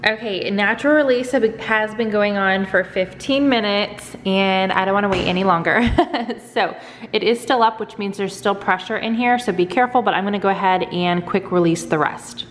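A woman's voice: mid-range voice, moderate pace, long reverb tail, slight background noise. A middle-aged woman chatting casually as she walks through a cooking demonstration step by step in her home kitchen. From Texas. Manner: chatty step-by-step explaining, frequent "go ahead". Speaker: cooking vlogger. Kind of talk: casual cook-along demonstration.

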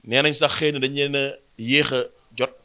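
Senegalese organizer in his thirties, bright forceful voice, steady explanatory press statement, room of mics. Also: mid-range voice. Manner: switches between French and Wolof, measured and explanatory. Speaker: event organizer. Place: indoor press room before a banner. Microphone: cluster of handheld press mics.

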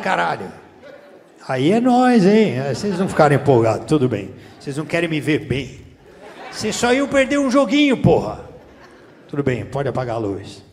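A man from Brazil doing a stand-up comedy set on a theater stage with a handheld mic, teasing the crowd in profane slang. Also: a little high. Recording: reverberant theater, faint room noise. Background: audience laughter.

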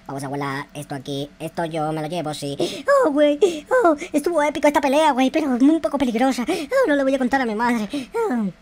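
Casting: male performer as naive, panicky Latin American boy gamer, high whiny voice, wildly swinging delivery, music behind. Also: expressive, fairly quick, hardly any pauses, slight background noise. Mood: relieved, excited. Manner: exclamatory, dramatic, whiny. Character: excitable, easily panicked naive boy game character. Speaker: gaming YouTuber. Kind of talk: excitable gameplay roleplay commentary.

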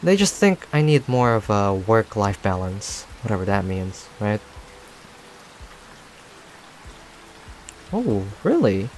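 A man playing a friendly, talkative cafe owner in a roleplay audio, speaking to the listener in a chatty, rambling, gently attentive way. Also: fairly low pitch, sing-song, measured pace, a little hiss or hum. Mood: reflective, friendly. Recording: soft music and rain behind. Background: music and rain sounds.

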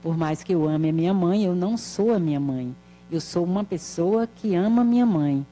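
A woman in her sixties giving a spiritual lecture, seated at a table in a small hall and speaking into a handheld mic in a calm, measured, explanatory way, with rhetorical questions. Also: lowish voice, soft background music.

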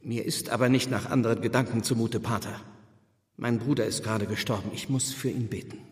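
In a reverberant church space, a man acts a grieving Anglican reverend in a radio play. His mid-pitched voice is solemn, stiff and guarded, with curt, defensive replies. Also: fairly even intonation, brisk, natural voice. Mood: guarded, irritated. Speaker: actor playing an Anglican clergyman. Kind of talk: German radio play acting.

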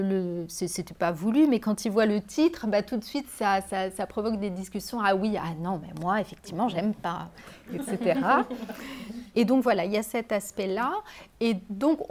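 A middle-aged woman talks at a bookshop event, halting and searching for words, with frequent pauses and fillers. Her voice sits at a medium pitch and is picked up by a camera mic at some distance. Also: a little mellow. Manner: hesitant, many fillers and restarts. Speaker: author. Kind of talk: bookshop author talk. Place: bookshop reading event, indoors.

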